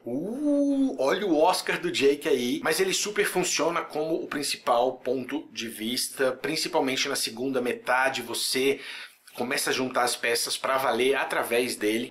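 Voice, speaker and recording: A man's voice: mid-range voice, a little hiss or hum. A man in a medium voice talking through a film review. He is casual and chatty, and he keeps slipping into playful impressions of people talking. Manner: lively, jokey, acts out quick voices and mock dialogue. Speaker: film critic.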